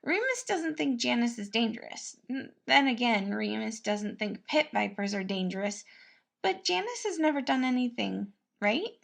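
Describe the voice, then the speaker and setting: A sweet, eager young male cook played by a woman speaks in a raised, high voice. He is gentle and reassuring, bubbling along with small hesitations, in the manner of an audiobook fantasy tale. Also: big pitch swings, normal speed, creaky. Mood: curious, unsure. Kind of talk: acted dialogue in fan-fiction audiobook.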